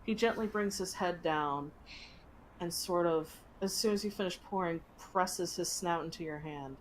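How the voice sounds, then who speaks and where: Low-voiced woman narrating as game master. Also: slight background noise, poor audio. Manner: halting, descriptive. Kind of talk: improvised tabletop game narration.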